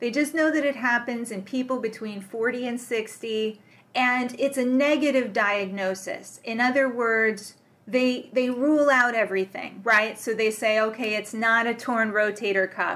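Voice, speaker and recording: Using an ordinary speaking voice, a woman speaks at a fairly slow pace and fairly high pitch with fairly even intonation. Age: 50s. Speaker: medical anthropologist and professor. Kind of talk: interview.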